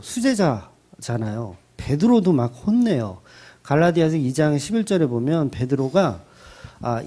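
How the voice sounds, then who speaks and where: 생동감 있게 설교하는 남자 목사. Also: male voice, fairly high pitch. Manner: colloquial, dramatic storytelling with acted quotes; animated, rising and falling delivery. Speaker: pastor. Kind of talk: Sunday sermon, expository Bible teaching.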